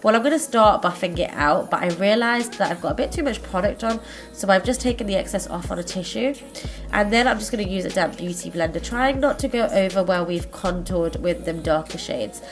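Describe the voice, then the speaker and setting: A woman's voice: mid-range voice, lively intonation, brisk, soft background music. A woman with a blocked nose from a cold, hosting a makeup tutorial in a chatty, friendly way and sometimes correcting herself as she goes. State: congested, stuffy-nosed from a cold. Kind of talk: casual step-by-step tutorial narration.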